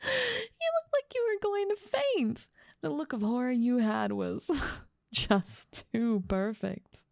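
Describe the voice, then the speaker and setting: A woman's voice: on the high side, expressive, takes it slowly, creaky, dry recording, clean studio sound, full character voice. A woman playing a dominant, teasing female demon ruler of hell in an ASMR roleplay, with playful menace and amused condescension. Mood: amused, mocking. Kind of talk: ASMR roleplay audio drama.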